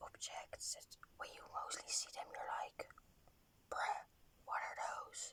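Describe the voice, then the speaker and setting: Someone whispers at a very slow pace. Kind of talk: ASMR talking to camera, casual chatty narration.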